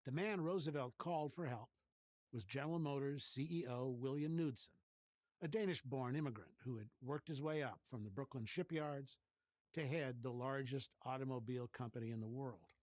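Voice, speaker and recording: A man's voice: medium pitch, normal speed, a little mellow, dry recording. A man reading scripted documentary narration about the past in a composed, explanatory way.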